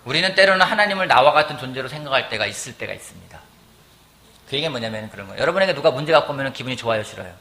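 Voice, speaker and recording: A middle-aged man preaching a sermon as pastor in a church, animated and often asking the congregation questions. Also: mid-range voice, rapid-fire. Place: church sanctuary.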